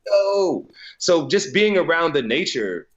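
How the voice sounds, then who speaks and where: A man's voice: on the high side, sing-song, slow pace, dull audio. Laid-back, loosely talking man from Colorado. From Colorado, USA. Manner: loose and profane, many "like" fillers, laughs easily. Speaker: guest, DJ and business owner. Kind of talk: casual conversation.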